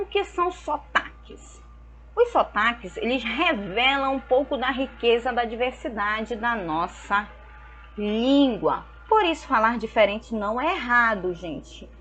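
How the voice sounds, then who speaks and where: A young woman from Brazil, teaching a school lesson and explaining slowly and patiently, often checking in with her students. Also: fairly high pitch, pushed and bright, poor audio. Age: young adult.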